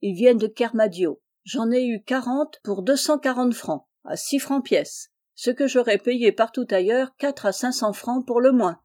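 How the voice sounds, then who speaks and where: A woman reading aloud and voicing a brusque, hearty middle-aged farmer, gruff and booming at times. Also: measured pace, few pauses, mellow, natural voice. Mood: jovial.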